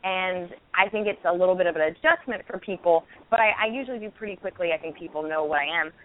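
Woman in her thirties on a tinny line. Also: fairly low pitch. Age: 30s. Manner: candid, storytelling with quick restarts. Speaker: stand-up comedian guest. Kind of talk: casual interview chat. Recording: tinny phone-like line with faint noise.

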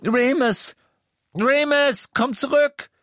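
A man's voice: a little high, animated, normal speed, creaky, fairly bright tone, breathy edge, no room sound, studio quality, voice pushed up, exaggerated voice. A man reading the part of a young witch who pleads with the others, near tears. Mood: pleading. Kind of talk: audiobook character voice.

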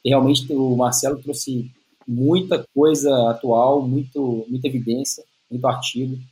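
A man's voice: mid-range voice, steady tone, unhurried, mellow, low-quality recording. A man with a Brazilian Portuguese accent hosting a live stream, chatting informally with a guest in a buddy-like way. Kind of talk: casual chat with a guest.

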